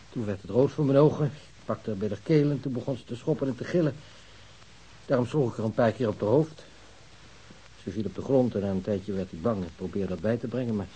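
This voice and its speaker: An actor playing a browbeaten, confused husband who confesses to a killing, stammering and hesitant, in a radio drama. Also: male voice, medium pitch, mellow, slightly rough, lightly acted, rough recording. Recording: faint hiss.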